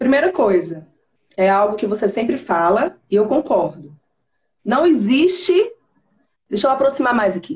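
In a northeastern Brazilian accent, a woman with a high voice talks at a moderate pace, her pitch swinging very widely and her pauses long and frequent. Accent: Brazilian Northeastern, marked. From Ceará, Brazil (Fortaleza area). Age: 30s. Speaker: voice-over artist. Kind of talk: casual interview.

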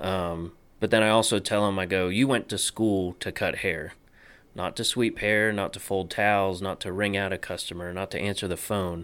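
Captured in a very clean recording with a silent background, a man with an American accent and an ordinary speaking voice speaks at a moderate pace, his fairly low pitch carrying fairly even intonation. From Florida (St. Petersburg). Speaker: barbershop owner. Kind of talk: casual interview.

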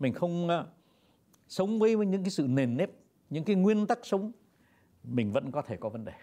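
Dark and mellow in tone, a man speaks at a moderate pace with a high pitch and very wide pitch swings. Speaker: professor. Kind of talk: talk show interview.

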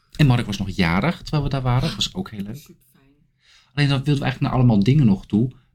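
Lively in intonation, a man speaks at a very fast pace. His voice is somewhat breathy. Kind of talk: casual chat. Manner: casual, joking.

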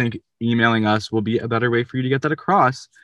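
Over a quiet background, a man talks. His voice sounds dry and close, with no echo at all. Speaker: podcast host. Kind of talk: casual chat.

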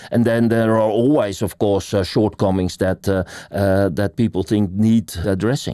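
A man with a Dutch accent, a dark, mellow tone, fairly low pitch, fairly even intonation and very even loudness, in a very clean recording with a silent background. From Netherlands. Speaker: professor. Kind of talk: interview. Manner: hesitant, with filler words and repetitions.

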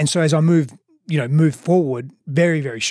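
This man has an Australian accent. The rise and fall of his pitch is ordinary. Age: 40s. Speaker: relationship coach. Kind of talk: casual interview.

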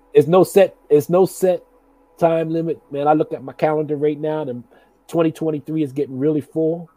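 Over background music, a man with an American accent talks at a moderate pace and a fairly high pitch, his animated tone carrying big swings in loudness in a dry, close sound with no echo. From New Jersey, US. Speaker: retired deputy police chief. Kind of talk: interview conversation. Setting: online video stream.

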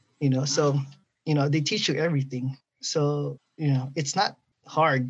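A man's fairly high, somewhat breathy voice, flat and monotone, at a fairly slow pace. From Philippines. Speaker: navy sailor. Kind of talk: casual interview.

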